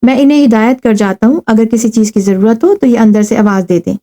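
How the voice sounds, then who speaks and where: A woman voicing Abu Dawud, a calm father giving reassuring instructions. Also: fairly high pitch, natural voice.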